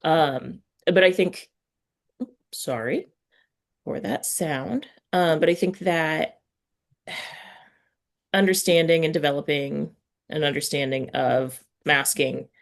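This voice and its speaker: A woman hosting a casual interview, thinking aloud in a halting way and often correcting herself. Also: sits low, creaky. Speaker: podcast host interviewing an author.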